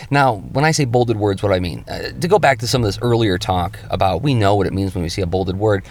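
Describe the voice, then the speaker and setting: A comics artist hosting a lettering show gives an informal tutorial, thinking aloud, interrupting himself often and shifting his voice emphatically to stress points. His voice is lowish, fast and a little mellow, with slight hiss or hum.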